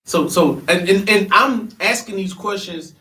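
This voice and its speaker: Man host of a church panel, emphatic and earnest, a touch high, echoey and off-mic. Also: a little slow, bright, forceful tone. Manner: earnest, emphatic, often restarting sentences. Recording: echoey room, mic at a distance.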